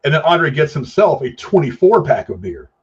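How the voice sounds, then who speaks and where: A man's voice: a little high, sing-song, normal speed, slightly rough, highs cut off. A man co-hosting a casual film chat, telling rambling anecdotes in slangy, profane language. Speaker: podcast co-host.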